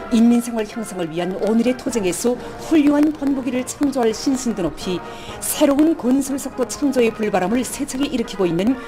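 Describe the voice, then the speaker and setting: A woman with a North Korean accent reads formal scripted television news in an earnest, declamatory manner. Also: fairly high pitch. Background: music.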